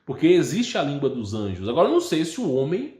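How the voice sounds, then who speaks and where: Lively, rambling Brazilian man in an echoey room. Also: on the high side, fast. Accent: Brazilian Portuguese. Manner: rambling, restarts words, ends phrases with a checking "tá?". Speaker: channel host answering viewer questions. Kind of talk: casual religious talk.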